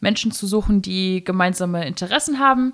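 A woman talks at a moderate pace with ordinary pitch variation, and the recording is very clean with a silent background. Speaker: podcast co-host. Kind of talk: casual chat. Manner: strongly pronounced plosives.

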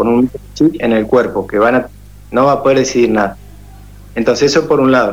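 Keeping his loudness very even, a man talks at a fairly quick pace and medium pitch with ordinary pitch variation, broken by long, frequent pauses. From Argentina, Entre Ríos (Paraná). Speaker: political activist and therapist. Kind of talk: radio interview.

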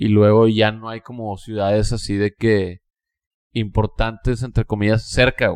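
Delivery is monotone and flat, at a fairly slow pace, with big swings in loudness. The sound is dry and close with no echo, over a quiet background. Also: man, fairly low pitch for a man. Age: 30s. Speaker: musician and songwriter. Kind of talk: casual chat.

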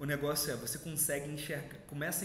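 Against noticeable background noise and audible room echo, a man with a Rio de Janeiro accent talks at a moderate pace in a fairly high pitch. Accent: carioca. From Rio de Janeiro, Brazil. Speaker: youtuber and business coach. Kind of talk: casual monologue.

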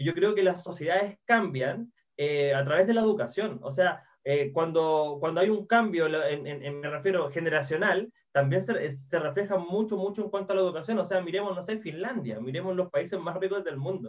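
A man with a Chilean accent speaks in a high voice, his pitch rising and falling in an ordinary way. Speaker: teacher trainer, edtech entrepreneur. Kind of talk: casual interview chat. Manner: fast.

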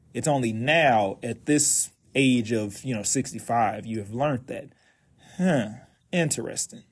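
In a very clean recording with a silent background, a man with an American accent speaks at a medium pitch. His tone is animated and his pace fairly slow. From Chicago, South Side. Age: 20s. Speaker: podcaster. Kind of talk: solo monologue podcast.

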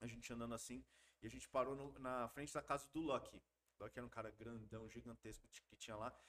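A man speaks at a very fast pace with medium pitch and vocal fry. His intonation is fairly even, but his loudness swings widely. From São Paulo, Brazil (Grajaú), half his life in the US. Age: 40s. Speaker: English teacher and rapper. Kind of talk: casual chat.

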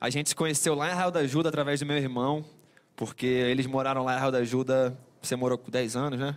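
A man races along at a very fast pace while his intonation stays fairly even. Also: medium pitch for a man. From Bahia, Brazil. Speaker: band member. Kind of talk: talk show interview.

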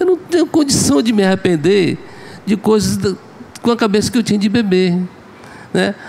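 At a moderate pace and with very even loudness, a man with a high pitch speaks with long, frequent pauses against noticeable background noise. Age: 60s. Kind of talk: panel discussion.

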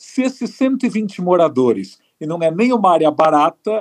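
At a fairly slow pace, a man with a high pitch speaks with lively intonation in a dry, close sound with no echo. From Brazil, Santos (São Paulo coast). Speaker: journalist and author on urbanism. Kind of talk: interview.

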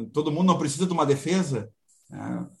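Here a man talks with vocal fry in a fairly high pitch. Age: 40s. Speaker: lawyer and film enthusiast. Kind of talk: casual chat.

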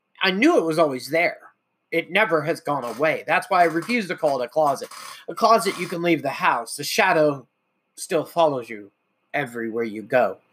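An unremarkable speaking voice from a man, fairly high in pitch, with lively intonation and a fairly quick pace. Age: 50s. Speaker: podcast host. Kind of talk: personal monologue.

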